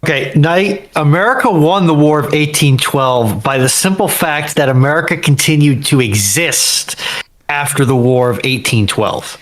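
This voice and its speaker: A man's voice: a little high, normal speed. A man speaking as a panelist in a casual live discussion, with a dry, precise manner and formal wording.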